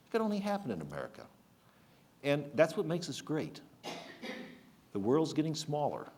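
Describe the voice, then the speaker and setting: Older man, public talk, lively swings in pitch, earnest, halting restarts. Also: slight background noise. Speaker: speaker at a public program.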